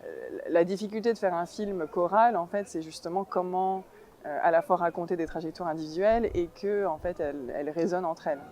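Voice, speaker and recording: A woman's voice: lowish voice, lively intonation, fairly quick, warm tone. Hesitant thoughtful woman filmmaker. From New York, United States. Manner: thoughtful, hesitant, searching for words. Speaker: documentary filmmaker. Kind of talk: reflective interview answer.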